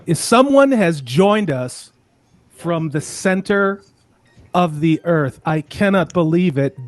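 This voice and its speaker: A man's voice: on the high side, animated, slow pace, no echo, clean studio sound. A man hosting a casual livestream chat, introducing and questioning his guests. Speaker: livestream host. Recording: music playing behind the voice. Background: music.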